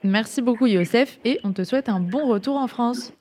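A woman hosting a radio show, friendly and brisk as she introduces segments. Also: fairly high pitch, a little mellow, slight background noise.

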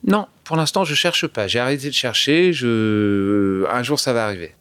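Casting note: man, thirties, soft English lilt in his French, halting and reflective, dry close sound. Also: medium pitch, clear, resonant tone, dry recording. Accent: light English-tinged French. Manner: hesitant, many restarts and fillers. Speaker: guest singer-songwriter. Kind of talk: casual interview talk.

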